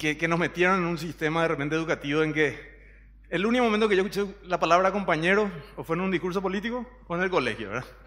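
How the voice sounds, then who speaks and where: A man talks very fast with a high pitch and ordinary pitch variation. His tone is animated, bright and sharp. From Paraguay. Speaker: advertising designer; speaker. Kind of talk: talk to a live audience. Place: stage. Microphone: headset.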